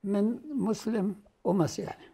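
Husky, dark-voiced Palestinian man in his nineties. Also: sits high, steady tone, measured pace. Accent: Palestinian Arabic. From Beisan, Palestine. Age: 90s. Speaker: interviewee recounting displacement. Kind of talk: oral history interview. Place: indoor living room.

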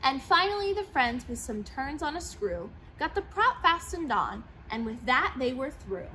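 A young woman reading a rhyming picture book aloud with an expressive, sing-song delivery, seated in an old plane in a large museum hangar. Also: high-pitched, normal speed, a little hiss or hum, poor audio. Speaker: storyteller.

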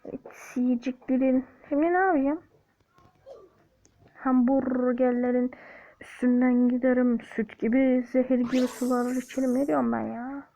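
A young woman YouTuber plays a video game and chats jokingly with viewers in a put-on Black Sea Turkish accent, humming snippets now and then. Her voice is high, warm and fairly flat in pitch, with vocal fry and a moderate pace. The recording is rough.

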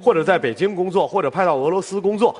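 A man's voice: high-pitched, quick pace, darkish tone, husky. A man hosting a televised job-hunting show on stage, speaking into a headset mic. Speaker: TV show host. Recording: echoey hall, studio audience noise.

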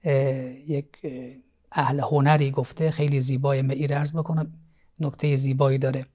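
A male cleric on a TV studio program, calmly telling moral stories and teaching with frequent hesitation fillers. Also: mid-range voice. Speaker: cleric, guest expert. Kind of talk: storytelling religious teaching on TV.

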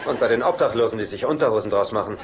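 An actor playing a wry, teasing bachelor brother in a German-dubbed TV sitcom. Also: male voice, on the low side, rapid-fire, crowd noise, natural voice. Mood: mocking. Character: mocking, laid-back bachelor brother. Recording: very noisy TV soundtrack with laughter.

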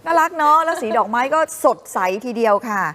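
Upbeat woman tv host chatting to viewers about travel clips, kinda high voice. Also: expressive, fairly quick, sharp tone. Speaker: news show co-host. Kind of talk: casual live TV chat over travel footage.

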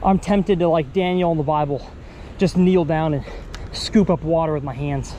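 Chatty high-voiced man outdoors. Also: normal speed, mellow. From Texas. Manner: upbeat, chatty, thinking aloud while fishing. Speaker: fishing vlogger. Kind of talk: casual fishing vlog commentary. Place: outdoors by a campus pond. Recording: outdoor recording with faint ambient noise.

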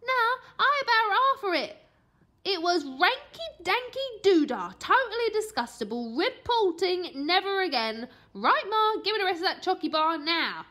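A woman's voice: extremely high pitch, big pitch swings, measured pace, sharp tone, voice pushed up, exaggerated voice. A woman voicing a bratty young boy who whines and mangles his words. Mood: whiny.

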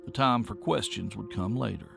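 A man narrating a scripted story in a measured, folksy way. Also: on the low side, gravelly, music in the background.

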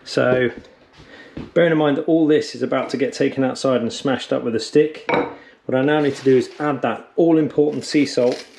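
A man's voice: medium pitch, fairly even intonation, normal speed, creaky, darkish tone, slight background noise. Chatty man teaching bushcraft outdoors. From England. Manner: upbeat, chatty, practical. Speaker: bushcraft instructor. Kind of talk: outdoor how-to demonstration. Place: woodland camp and wooden cabin.

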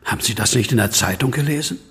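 Husky, troubled, brooding man. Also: medium pitch, animated, fast talker, a bit bright, heavily acted. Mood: uneasy. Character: troubled, anxious man who fears he is a werewolf. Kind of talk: German horror audio drama acting.

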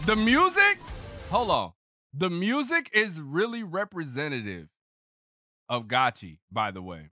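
A man giving a casual, excited reaction as an anime streamer, slangy and sweary, repeating phrases for emphasis. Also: mid-range voice, no echo, studio quality.

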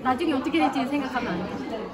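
A woman's voice: high voice, lively intonation, quick pace, a loud crowd. A young woman chatting casually in a bubbly, encouraging way. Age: young adult. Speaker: show guest and YouTuber. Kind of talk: casual chat. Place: studio waiting room. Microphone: phone camera nearby. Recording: loud crowded room.

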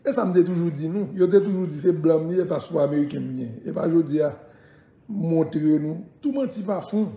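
A man's voice: a little high, moderate pace, mellow, roomy sound. A man from Haiti with a Haitian accent, chatting loosely on a live stream and repeatedly urging viewers to share it. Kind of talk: casual live-stream chat.

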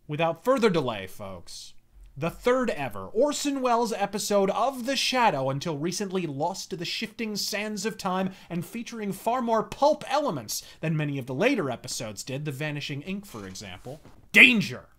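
A man's voice: high voice, big pitch swings, normal speed, fairly bright tone. A man in his thirties giving an emphatic, scripted introduction as a show host, with theatrical emphasis. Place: small cluttered home office, indoors.

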